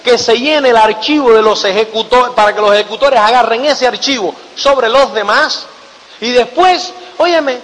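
A man giving a motivational seminar talk, emphatic and lively, who keeps checking in with his listeners through quick tag questions. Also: extremely high pitch. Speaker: motivational speaker. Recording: long hall reverb.

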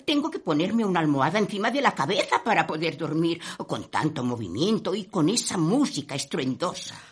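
Very husky, low-voiced gossipy shopkeeper. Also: female voice, sing-song, brisk. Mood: mildly complaining. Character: gossipy, sympathetic woman shopkeeper taking tea with a friend. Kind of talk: Spanish radio play acting.

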